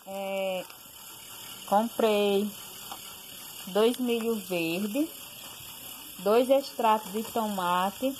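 A woman speaks slowly and plainly, counting off her groceries one by one in a casual home vlog. Her voice sits at an ordinary pitch. A noisy kitchen, with a pressure cooker hissing, is heard behind her. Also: darkish tone. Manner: slow, plain listing with fillers. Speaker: home cooking and grocery vlogger. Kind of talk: casual voice-over listing groceries.

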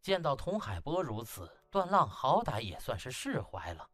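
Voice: medium pitch, sing-song, normal speed, fairly bright tone, no room sound. A narrator reading a comic web novel in a theatrical, colloquial, exclamatory way. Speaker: audiobook narrator.

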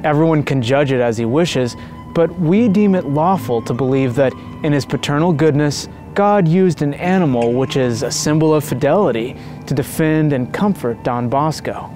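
A man narrating a devotional story in an earnest, measured way as the host of his channel. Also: fairly high pitch, warm tone, soft background music.

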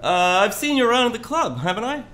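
A man playing a brisk, chatty police officer in a live radio play, recorded in a roomy club with some noise. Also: very high voice, big pitch swings. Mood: brisk, concerned. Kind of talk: live old-time radio play acting.

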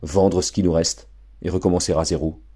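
A gloomy, blunt father speaks in a low, sullen mutter, as a man reading a storybook puts him on. His voice stays husky and heavy. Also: fairly even intonation, brisk, warm tone. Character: gruff bankrupt father, sullen.

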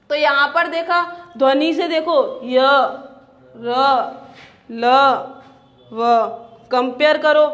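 A woman with a high voice gives a slow classroom lecture. She sounds out each syllable over and over, asks the class questions and then answers them herself. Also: a bit bright. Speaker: teacher.

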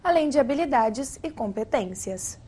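A woman's voice: high-pitched, animated, normal speed, warm tone, slightly rough. A woman in her thirties with a Brazilian accent, presenting the news as a studio anchor.

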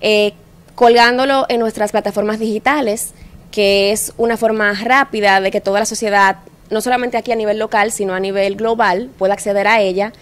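A woman's voice: medium pitch, steady tone, a little fast, clean tone. A woman in her thirties with a Dominican Caribbean Spanish accent, giving articulate answers as a guest in a TV studio interview. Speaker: studio guest presenting an anniversary campaign. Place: indoor TV studio. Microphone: handheld microphone.

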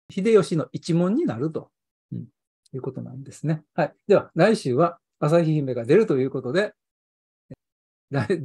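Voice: mid-range voice, warm tone, breathy edge, no echo, studio quality. A history channel host with a Kansai accent, chatting casually on a livestream, rambling and chuckling often.

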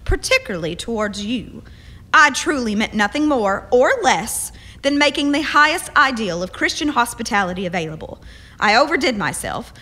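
Woman acting a bright, proper frontier young lady. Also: on the high side. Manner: formal, wordy, insistent. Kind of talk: radio drama acting.

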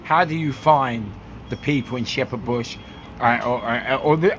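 A man interviewing a cafe owner on a handheld phone, excitable, laughing often and tripping over his questions. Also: medium pitch, normal speed, a little hiss or hum. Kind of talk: casual street interview. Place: small cafe, indoors.

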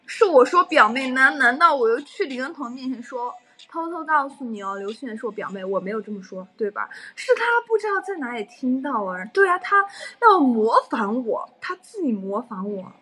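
Young woman, high voice, breathy, animated casual livestream storytelling. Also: moderate pace. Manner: animated storytelling, frequent laughter.

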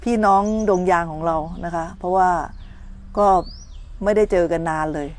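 A middle-aged meditation teacher with a lowish, darkish voice speaks at normal speed during a morning dharma talk. Storytelling drives her delivery, as she imitates grumbling voices and checks whether her listeners understand.

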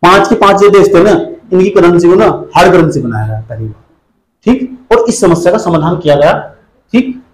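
Brisk and expressive, this high-voiced man leads an exam-prep class in an echoey space. He hammers each point again and again, peppers students with questions and scolds them when they lose the thread.

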